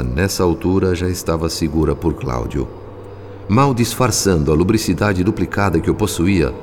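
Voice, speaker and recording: A man's voice: low voice, a little mellow. A man with a Brazilian accent giving solemn, literary, scripted narration for a radio soap opera. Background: background music.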